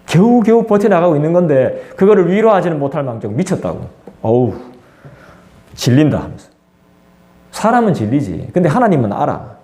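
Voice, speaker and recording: A man's voice: on the high side, big pitch swings, fairly quick, warm tone. A man preaching a sermon as pastor, in a conversational way that acts out the voices of people he quotes. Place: church sanctuary. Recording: echoey church room.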